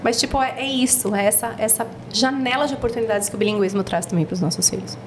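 A Brazilian woman chatting as a podcast guest, telling stories in a lively way and acting out what people said. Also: on the high side, fast, background noise. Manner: animated storyteller, acts out quotes. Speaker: podcast guest, project founder. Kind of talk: casual podcast chat.

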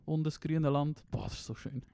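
A man's voice: on the high side, normal speed, vocal fry, warm tone, clean tone, dry recording. A young man with a Swiss German accent, co-hosting a podcast in casual chat, rambling through his stories, often laughing and trailing off mid-sentence. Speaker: podcast co-host.

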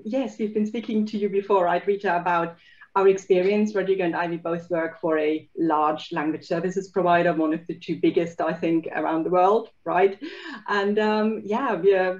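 A woman's voice: medium pitch, a little mellow, lo-fi sound. A woman, a guest on a podcast, speaking in an upbeat, agreeable way over a video call. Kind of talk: casual interview chat.

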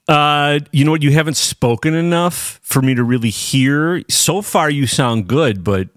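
A man's voice: on the high side, lively intonation, measured pace, no echo, studio quality. A man hosting a podcast, casual banter, teasing his co-host and laughing often.

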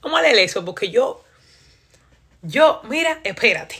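A young woman with a Dominican accent reads scripture live and chats with her viewers, laughing and expressive. Her voice sits fairly high and sounds bright and forceful. It comes through a phone livestream. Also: measured pace, husky. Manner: animated, laughing, chatty and expressive. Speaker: Bible reading livestreamer. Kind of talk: casual live Bible reading.

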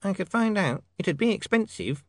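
A man doing a high-pitched, deferential clerk. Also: expressive, moderate pace, dry recording, clean studio sound. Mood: helpful. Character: deferential, eager, careful male office clerk.

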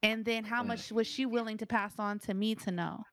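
A woman's voice: on the high side, fairly even intonation, moderate pace, no room sound. A young woman talking through her views in a casual podcast discussion, rambling and thinking aloud with plenty of fillers. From United States.

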